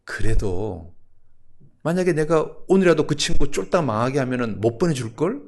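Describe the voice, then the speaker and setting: A deep, unhurried God figure voiced by a man questions his listener in a calm, measured voice. The tone has a gravelly edge, and each question is drawn out and deliberate. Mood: calm rebuke. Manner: slow, low, measured questioning. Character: God, a male deity calmly rebuking a pastor.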